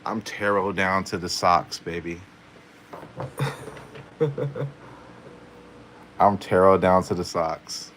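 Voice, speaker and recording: A man's voice: sits low, flat delivery, normal speed, few pauses, a bit bright, a little hiss or hum, rough recording. A man hosting a casual live stream as a tarot reader, playfully answering viewer questions with frequent chuckles.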